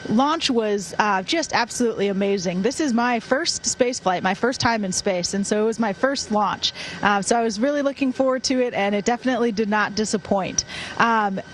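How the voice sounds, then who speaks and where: A woman's voice: mid-range voice, normal speed. A woman astronaut answering questions off the cuff in an upbeat, conversational way. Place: aboard a space station. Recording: faint steady background hum.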